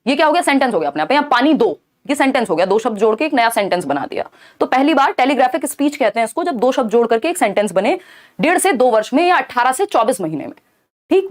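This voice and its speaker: High-voiced woman teaching an exam-prep class. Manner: explanatory, checks in with students often.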